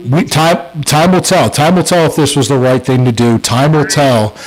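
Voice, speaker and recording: A man's voice: fairly high pitch, moderate pace, low-quality recording. A middle-aged man co-hosting a casual sports podcast, telling stories in a heated, profane way. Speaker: podcast co-host.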